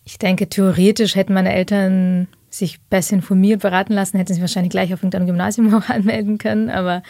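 A woman's voice: mid-range voice, flat delivery, fast, mellow, no room sound, studio quality. A woman in her thirties, originally from Ukraine, thoughtfully telling her life story as a guest in an interview. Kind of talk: reflective personal interview.

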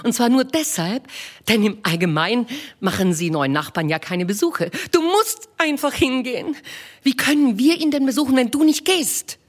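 A woman doing a shrill, gushing matchmaking mother. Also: lively intonation, normal speed. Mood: gushing, insistent. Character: excitable, pushy middle-aged mother, matchmaking wife. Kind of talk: literary reading.

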